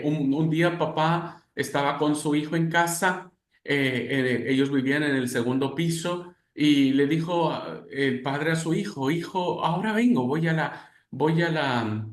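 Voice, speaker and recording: A male instructor leads a preaching class and tells stories with lively energy, often pausing on fillers. His voice sits a bit high for a man. The sound carries the ring of an echoey room. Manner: animated storytelling with many fillers.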